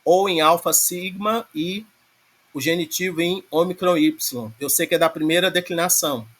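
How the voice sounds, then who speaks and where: Man, teacher, patient explainer, slightly high voice, Brazilian Portuguese accent. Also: moderate pace, fairly bright tone. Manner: explains patiently with many filler checks like "né?". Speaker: Greek language teacher. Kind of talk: online lecture on grammar.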